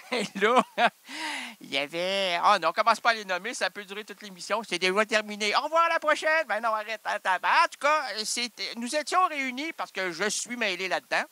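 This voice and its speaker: A man's voice: high-pitched, normal speed, bright, forceful tone, dry recording, low-quality recording. A man with a Québécois French accent hosting a radio show, rambling playfully through an improvised comic monologue and bantering with himself.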